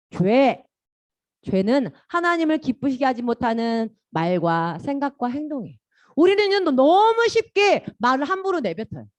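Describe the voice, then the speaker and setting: A woman giving a children's sermon, telling the story with lively questions to the children and dropping soft and low at the ends of phrases. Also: dry recording. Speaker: children's ministry teacher.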